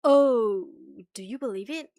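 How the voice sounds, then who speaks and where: A woman streamer reading a visual novel aloud and reacting in an animated, teasing way, swearing freely. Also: fairly high pitch, a little slow, no room sound. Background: music.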